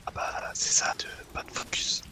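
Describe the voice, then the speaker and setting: Brief: male gaming sidekick, very sharp sibilant whisper, laid-back and slightly hesitant chat. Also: normal speed. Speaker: gaming duo partner. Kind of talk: whispered casual chat during a game.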